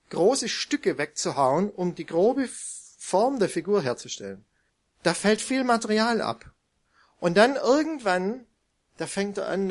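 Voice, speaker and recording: A man with a notably high voice delivers a sermon. He talks in an easy, conversational way and keeps turning to his listeners with questions. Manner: conversational, asks the congregation questions. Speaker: preacher.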